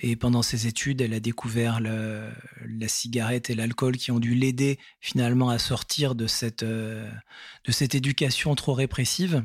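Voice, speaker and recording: A man's somewhat breathy voice at a moderate pace, with fairly even intonation, on a very clean recording against a silent background. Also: medium pitch for a man. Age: 40s. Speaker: person recovering from alcohol addiction. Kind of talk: testimony. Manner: halting.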